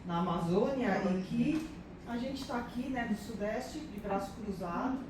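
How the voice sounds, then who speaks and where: A woman's voice: on the high side, unhurried. A woman giving reflective remarks in a group meeting, often adding tag questions. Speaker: reading circle participant. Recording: echoey room from far off, noisy.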